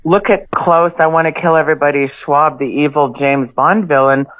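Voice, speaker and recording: A woman's voice: sits low, normal speed, poor audio. A woman co-hosting a radio talk show, speaking emphatically and warning listeners. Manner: emphatic, conspiratorial.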